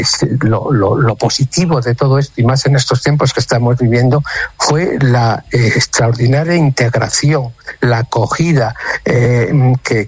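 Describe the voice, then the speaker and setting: Husky seventy-year-old man, halting speech. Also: medium pitch, no room sound, muffled recording. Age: 70s. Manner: halting, many fillers and restarts. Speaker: association representative. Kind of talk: radio interview answers.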